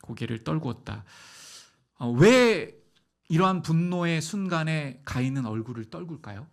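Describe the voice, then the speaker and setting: Animated male pastor preaching. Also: on the high side, moderate pace. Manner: animated preaching with rhetorical questions, swings between soft and emphatic. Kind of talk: sermon.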